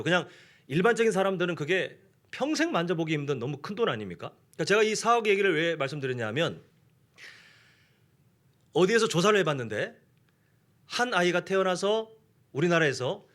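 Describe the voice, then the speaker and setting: A man preaching a sermon in a church, talking conversationally and putting questions to the congregation. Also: high-pitched. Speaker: pastor. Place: church sanctuary.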